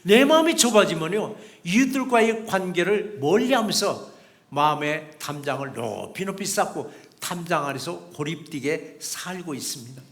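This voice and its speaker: A man's voice: fairly high pitch, lively intonation, moderate pace, fairly bright tone. A middle-aged male pastor preaching a sermon, emphatic and repetitive, acting out short quoted voices.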